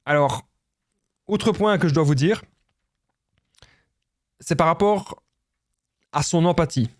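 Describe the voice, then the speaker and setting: A man's voice: fairly high pitch, animated, slow, no room sound, studio quality. A man with a Belgian French accent giving relationship advice straight to his viewers, insistent and repetitive, often calling them his friends. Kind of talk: direct-to-camera advice talk.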